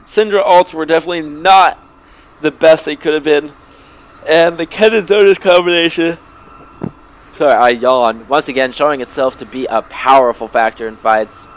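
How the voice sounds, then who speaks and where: Excitable young man casting a game. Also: on the high side, a little hiss or hum. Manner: excitable, rising to loud bursts in fights. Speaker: amateur game caster. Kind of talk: esports play-by-play commentary.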